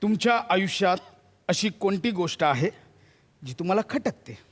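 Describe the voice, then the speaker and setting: A man's voice: high voice, expressive, moderate pace. A man playing an indignant, fed-up interviewer who scolds his guest in a comedy sketch. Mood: exasperated. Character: exasperated male interviewer, fed up. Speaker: comic actor in a sketch.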